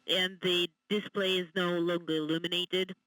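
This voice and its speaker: A man calling out procedure steps over a radio communication loop, measured and clipped. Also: high-pitched, little pitch movement, sharp tone, no room sound, low-quality recording. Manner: measured, reads out times and checks step by step.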